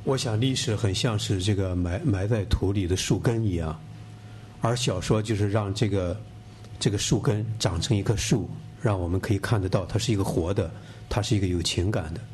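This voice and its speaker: A man, the author, answering questions in a measured, reflective way at a bookshop event, speaking into a table mic. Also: lowish voice, a little mellow.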